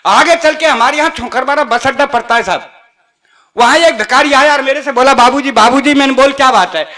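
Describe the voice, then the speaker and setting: An older man from Rajasthan, telling comic anecdotes in animated style as a stage poet. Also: very high-pitched, a little fast. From Rajasthan, India. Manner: animated storytelling with dialect voices. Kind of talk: stand-up comic poetry anecdote.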